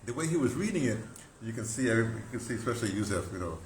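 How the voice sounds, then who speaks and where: An older American man telling stories casually as a talk host, in an excitable, rambling way with broken, repeated phrases. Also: on the low side, rapid-fire. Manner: excitable, animated storyteller with broken, repetitive phrasing. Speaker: radio drama producer and talk host. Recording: roomy echo, clear background noise.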